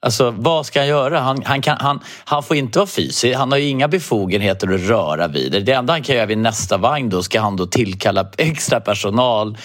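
A man's voice: mid-range voice, expressive, few pauses, fairly bright tone. A man co-hosting a podcast in casual chat, joking and argumentative, with hesitant fillers. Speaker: podcast co-host.

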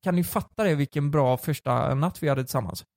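A young man in his twenties tells a story in a casual chat, his voice sitting a little on the high side. He talks in an animated way and swears freely. The sound is dry and close, with no room in it. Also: vocal fry, no echo. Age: 20s.

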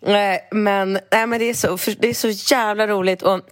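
A woman co-hosting a podcast, telling stories in animated casual chat and swearing freely. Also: mid-range voice, dry recording, studio quality. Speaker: podcast co-host.

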